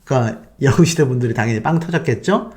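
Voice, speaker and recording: A man hosting a fan channel, excitedly retelling events and throwing rhetorical questions at his viewers. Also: medium pitch, fast. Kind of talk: animated storytelling to viewers.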